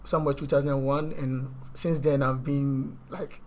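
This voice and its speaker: A man speaks as an interview guest. His voice sits at an ordinary mid pitch. He tells his story in an easygoing way and laughs readily. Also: little pitch movement, moderate pace, darkish tone, a little hiss or hum. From Accra, Ghana. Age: 30s. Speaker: guest, professional dancer.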